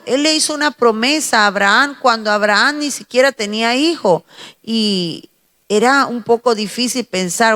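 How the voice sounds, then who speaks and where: Woman preacher, Spanish accent from Spain, emphatic devotional delivery, somewhat high voice, echoing hall. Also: a bit bright. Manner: slow, emphatic preaching with pauses and repetition. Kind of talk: morning devotional sermon.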